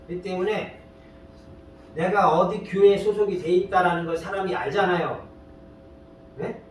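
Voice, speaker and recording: A man preaching a sermon as pastor, in a plain conversational way, firing rhetorical questions and prodding the congregation. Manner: fires rhetorical questions and prods listeners with "eh?"; colloquial, storytelling preacher. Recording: very echoey hall, distant mic, faint rumble.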